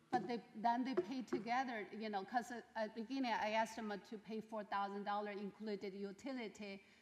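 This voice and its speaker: Over noticeable background noise, a woman talks at a fairly quick pace with hardly any pauses. Her fairly high voice stays monotone and flat. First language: not English. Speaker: landlord applicant. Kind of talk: public hearing testimony. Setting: public board meeting. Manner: halting.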